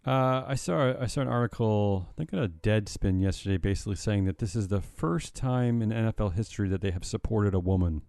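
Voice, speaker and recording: A man's voice: fairly low pitch, a little fast, vocal fry, hardly any pauses, a little mellow, no room sound, studio quality. A man hosting a casual business podcast chat, talking in a wry, sarcastic way. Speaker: podcast host.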